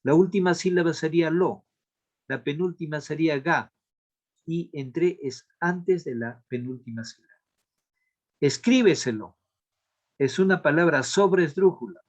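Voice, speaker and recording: A man's voice: a little high, lo-fi sound. A male language teacher giving a lesson on accent marks, explaining step by step and repeating key points.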